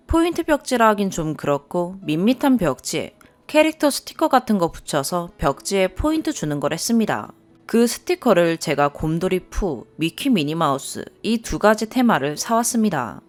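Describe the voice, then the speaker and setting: A young woman reading a first-person story aloud as narrator, expressive and lively. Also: lowish voice, moderate pace.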